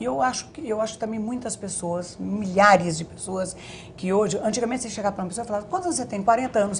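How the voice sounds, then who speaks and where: Over noticeable background noise, a woman talks at a very fast pace in a medium pitch, her tone animated and her intonation lively. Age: 60s. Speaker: businesswoman. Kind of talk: TV talk show panel discussion.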